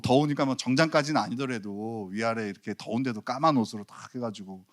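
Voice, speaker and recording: A man's voice: fairly high pitch, a bit bright. A man in his forties preaching a Sunday sermon as pastor, telling stories with acted quotes and self-mocking humor. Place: church sanctuary.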